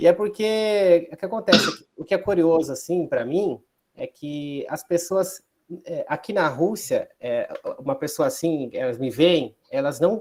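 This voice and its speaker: On a very clean recording with a silent background, a man with a high pitch speaks fairly slowly, his intonation lively. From Brazil. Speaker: commentator on Russia. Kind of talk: casual interview chat. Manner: halting.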